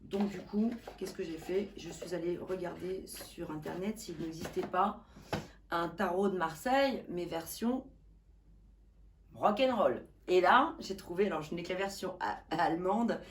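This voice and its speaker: A woman hosting a casual vlog about tarot decks, enthusiastic and hesitant with many fillers, reading card messages calmly. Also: lowish voice, normal speed, background noise. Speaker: tarot reader and channel host. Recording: voice from a distance.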